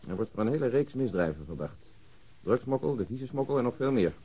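An actor playing a polite, dry, methodical police detective with a businesslike manner in a radio drama. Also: male voice, medium pitch, very animated, fast, mellow, husky. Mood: brisk, businesslike. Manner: businesslike, unruffled. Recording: dull lo-fi old radio recording.

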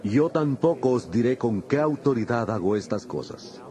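A man's voice: medium pitch, animated, normal speed, warm tone, close to an everyday voice. An actor playing Jesus in a dramatized audio Bible, a grave, authoritative male teacher who speaks in a solemn, declamatory way. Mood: firm, challenging. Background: music.

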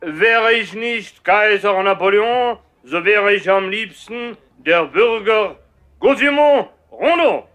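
Pompous emperor, high bright voice, slow grand delivery, 1960s radio drama. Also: male voice, animated, heavily acted. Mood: self-satisfied, grand. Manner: pompous, exclamatory, mixes in French phrases. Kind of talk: 1960s German radio play acting. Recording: 1960s radio play, music behind.

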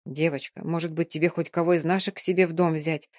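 A woman reading a novel aloud, voicing an old Gypsy grandmother who speaks softly and carefully. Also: deep voice, normal speed, breathy edge, no echo, studio quality. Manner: soft, careful.

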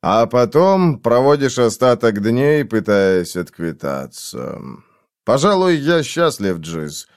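A man's voice: medium pitch, sing-song, takes it slowly, smooth, dry recording, studio quality. A male reader voicing a blunt, weary middle-aged man in an audiobook. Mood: gruff.

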